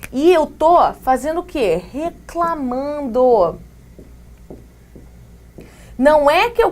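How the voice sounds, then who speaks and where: A woman with a Brazilian Portuguese accent teaching English grammar in a casual, slangy video lesson, reading example sentences slowly. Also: high-pitched. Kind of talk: video lesson for exam prep.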